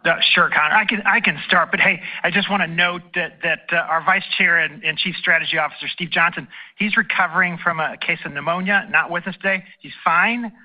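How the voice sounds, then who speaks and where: A man speaking as an airline chief executive, answering analysts on an earnings call in halting phrases. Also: high voice, fairly even intonation. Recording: dull conference call audio.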